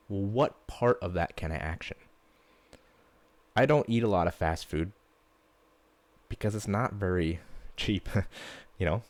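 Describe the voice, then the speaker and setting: A man's voice: sits low, no echo. A man hosting his own fitness podcast as a coach, talking in a blunt, fired-up way and swearing casually. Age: young adult to middle-aged parent. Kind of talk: casual solo podcast monologue.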